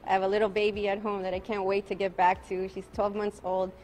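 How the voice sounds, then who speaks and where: A woman in her forties, an attorney, answering reporters' questions at a night press conference outdoors. She sounds tired and talks calmly, repeating each question before she answers. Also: medium pitch, a little fast, low-quality recording. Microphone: bank of press microphones.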